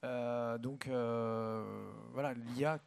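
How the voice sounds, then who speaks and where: A man's voice: medium pitch, steady tone, drawn-out words, creaky, darkish tone, clean tone. A man moderating a live stage interview at a conference, informal and hesitant, with many fillers.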